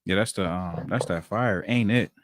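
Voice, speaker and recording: A man's voice: low-pitched, normal speed, no room sound. A man hosting a casual studio chat, laid-back and full of slang, hyping up his guest. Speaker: host.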